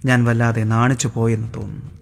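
A man voicing an earnest, courteous young American suitor in an audiobook, speaking gently and formally. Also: medium pitch, level tone, fast talker, vocal fry, voice pushed down. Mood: tender.

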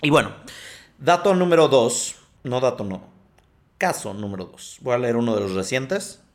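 A podcast host with a medium-pitched voice and lively intonation reads listener stories aloud at a normal speed during casual chat. He often stumbles over the text and wanders off into his own digressive comments as he goes.

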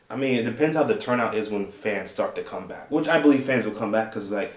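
A young man in his twenties talks through a casual solo commentary, rambling and laughing between points in a lowish voice. He sits a bit back from the mic, and the room around him rings with echo. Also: animated, brisk. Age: 20s. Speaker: host. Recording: roomy, distant from the mic.

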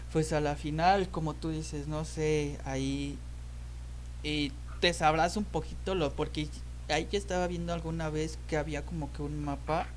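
A man with a Mexican accent hosting a podcast chat, joking, laughing often and breaking into loud excited exclamations. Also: on the high side, slight background noise. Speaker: podcast host. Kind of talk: casual chat.

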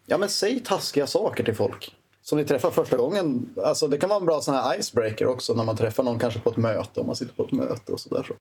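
A man speaking with deadpan calm, handing out absurd advice as if it were sincere. He talks at an ordinary pitch in a relaxed, conversational podcast manner. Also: creaky, breathy edge. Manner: deadpan, mock-serious advice. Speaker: comedian guest. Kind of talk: podcast chat.

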